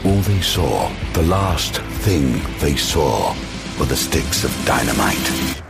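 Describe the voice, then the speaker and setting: A man narrating an action thriller audio drama in a scripted, dramatic style with measured pauses. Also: rumbling low, big pitch swings, gravelly. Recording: loud music bed. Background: loud dramatic music.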